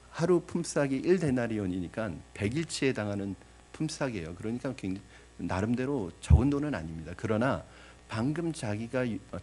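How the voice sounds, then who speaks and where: A man's voice: medium pitch, darkish tone, slightly rough. A male pastor preaching a sermon to his congregation, asking them questions and acting out the story's characters with drama. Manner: addresses the congregation with rhetorical questions; acts out the parable's voices dramatically.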